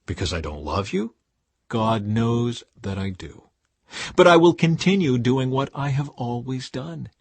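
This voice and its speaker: Husky man reading scripture expressively. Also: medium pitch, expressive, measured pace, no room sound. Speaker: scripture reader. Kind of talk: expressive scripted reading of modern-English Bible text.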